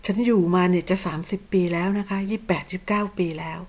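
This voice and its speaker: A woman's voice: fairly low pitch, fairly even intonation, quick pace, a little mellow. Sarcastic Thai woman rebutting clips. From Thailand. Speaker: channel host. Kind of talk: combative commentary on clips.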